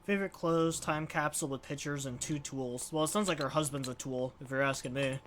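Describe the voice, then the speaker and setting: A man's voice: a little high, steady tone, fairly quick, fairly bright tone, a little hiss or hum. A man giving casual, wry, conversational commentary as he plays through a game on stream. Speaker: let's play streamer. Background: game music.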